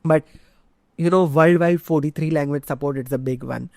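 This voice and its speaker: A man in his thirties with an Indian English accent talks through a screen-share lesson, filling pauses with "you know" and "uh." His voice sits a little high with a warm, mellow tone. The sound is dry and close, recorded in a small room. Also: creaky, dry recording. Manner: conversational, many fillers like "you know" and "uh". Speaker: instructor. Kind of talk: screen-share tutorial lecture.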